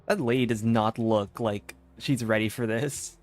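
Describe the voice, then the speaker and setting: A man's voice: medium pitch, steady tone, a little slow, soft background music. A man giving casual, sarcastic game commentary as a streamer, informal and sweary.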